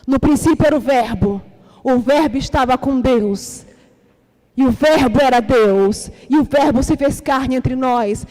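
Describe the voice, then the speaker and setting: A woman with a Brazilian Portuguese accent preaching a sermon at a church service, emphatic and repetitive, rising to shouts. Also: high voice, a little slow.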